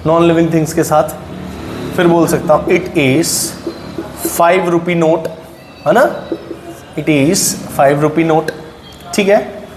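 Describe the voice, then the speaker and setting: Indian man teaching English grammar in an echoey classroom. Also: fairly high pitch. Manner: explains slowly, checks in with "right?" and "है ना". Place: classroom with a whiteboard. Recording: echoey room with faint noise.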